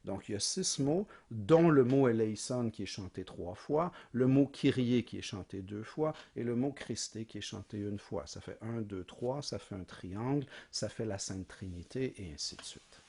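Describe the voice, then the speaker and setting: A man's voice: lowish voice, animated, normal speed, few pauses, warm tone, husky. A man giving a recorded music history lecture, explaining patiently, asking rhetorical questions and singing short examples.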